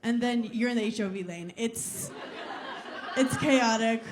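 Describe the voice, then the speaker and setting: A woman from New York doing stand-up crowd work, teasing audience members in brash, rapid banter on a club stage. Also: on the high side, noisy background. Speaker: stand-up comedian. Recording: live club with crowd laughter.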